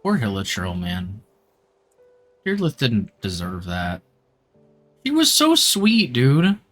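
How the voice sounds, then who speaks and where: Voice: medium pitch, wildly swooping pitch, takes it slowly, fairly bright tone, soft background music. A streamer giving casual live commentary on a video game, reacting informally and with slangy asides. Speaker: streamer, VTuber.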